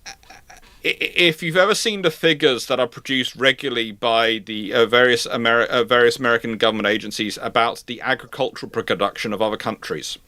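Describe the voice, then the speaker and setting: Male live-stream host, bright forward voice, stammering explainer who often rephrases, close dry sound. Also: medium pitch, dry recording. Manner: halting, stammering, circles back to rephrase. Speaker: host answering audience questions. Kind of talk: live question-and-answer talk on military history and current affairs.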